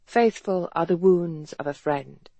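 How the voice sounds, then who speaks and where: A narrator voicing a sardonic young woman doctor, lifting the pitch and speaking briskly. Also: dark tone, no echo.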